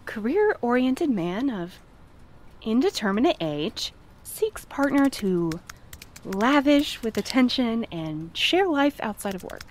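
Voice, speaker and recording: A woman's voice: on the high side, very animated, slow, a little hiss or hum. A woman playing a prim, well-meaning courier in an audio drama, speaking in an earnest, careful, businesslike manner. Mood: businesslike, flustered. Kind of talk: naturalistic audio drama acting.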